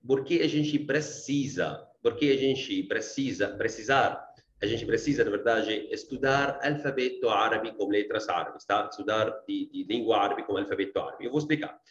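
A man's voice: lowish voice, normal speed, roomy sound, lo-fi sound. A man with an Arabic accent teaching a beginners' language lesson online. He repeats his points and keeps checking in with his students. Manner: repeats himself, checks in often with tá and gente.

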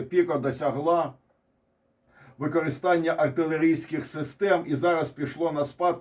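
A man's voice: a little high, a little mellow. A man with a Ukrainian accent giving casual, ironic commentary on war charts, digressing and restarting often. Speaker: military commentator.

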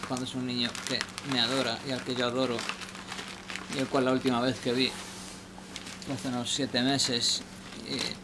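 A young man giving casual spoken advice outdoors at night, rambling and hesitant with many restarts. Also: mid-range voice. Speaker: vlogger. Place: outdoors under a station shelter at night. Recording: noisy outdoor night recording.

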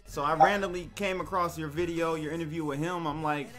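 A man's voice: fairly high pitch, little pitch movement, a little fast, a bit bright. A young man hosting a casual interview over a standing studio mic, easygoing and encouraging. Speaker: podcast host. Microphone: studio microphone on a stand.

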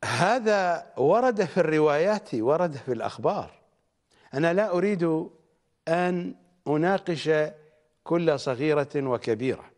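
A man giving a religious lecture, speaking deliberately and rising on emphasized words. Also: on the high side, lively intonation, a little mellow. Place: studio.

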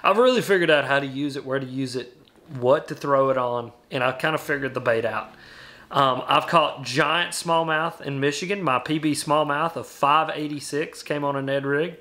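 Brief: young man, animated guest, emphatic, bright tense voice, slightly high, webcam at home. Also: moderate pace. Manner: animated, emphatic, argues his case. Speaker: guest angler. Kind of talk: casual debate over a video call. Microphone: webcam on a video call.

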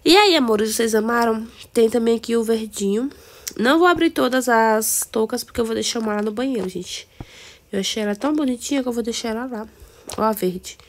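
A woman with a Brazilian accent and a cold, hoarse, chatting casually to viewers through a game walkthrough. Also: on the high side, brisk. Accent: Brazilian Portuguese. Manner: chatty, addresses viewers as "amores". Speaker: gameplay video host.

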